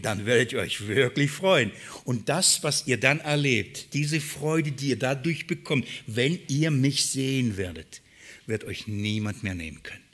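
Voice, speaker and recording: A man preaching a sermon, reading scripture and explaining it, moving between hushed, quiet passages and emphatic, raised ones. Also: medium pitch.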